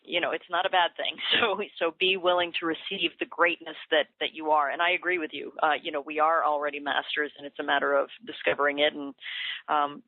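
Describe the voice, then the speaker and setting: A woman's voice: deep voice, level tone, fairly quick, no echo, narrow, tinny audio. Woman host on a band-limited call. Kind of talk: conversational webinar hosting.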